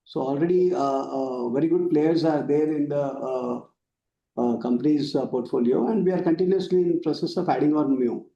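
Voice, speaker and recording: A man with an Indian accent giving formal, halting explanations as a company executive on a business call. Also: fairly high pitch, vocal fry, warm tone, highs cut off, a little hiss or hum. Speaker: company executive answering questions. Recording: echoey room on conference call.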